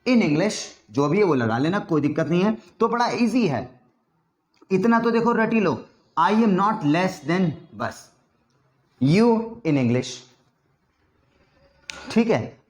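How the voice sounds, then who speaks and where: Man, English tutor; unhurried, drawn-out delivery, repeats lines for practice. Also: high-pitched, big pitch swings, echoey room. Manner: chatty, repeats example sentences slowly for drilling. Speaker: English teacher. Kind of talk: spoken English lesson in Hindi.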